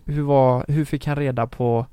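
A man with a smooth, mellow voice asks questions in a casual chat, pausing and searching for words. The sound is dry and close. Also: medium pitch, steady tone, dry recording. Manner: hesitant follow-up questions with fillers.

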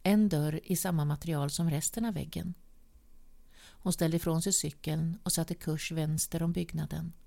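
A woman reading a short story aloud as narrator, measured and at times sinking to a whisper. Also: low voice, fairly even intonation, creaky, warm tone. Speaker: audiobook reader.

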